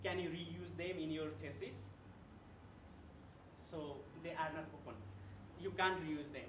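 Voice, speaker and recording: With a Nepali accent, a man speaks at a moderate pace and a fairly high pitch, with ordinary pitch variation. Audible room echo and noticeable background noise fill the recording. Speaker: wiki community organizer. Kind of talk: speech at award event. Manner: halting.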